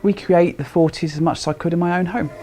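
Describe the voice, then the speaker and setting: A British man of thirty-five, keen on history, gives a hesitant, informal interview as he shows his home, using quaint, old-fashioned phrasing. His voice is a little high, steady and warm, and he talks fast.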